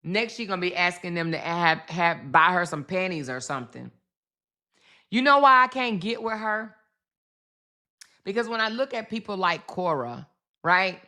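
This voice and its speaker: A woman's voice: fairly low pitch, animated, moderate pace, long pauses, bright, forceful tone. A woman hosting a casual live-stream commentary, reading chat comments aloud and calling viewers baby and girl. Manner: chatty, calls viewers baby and girl, repeats phrases.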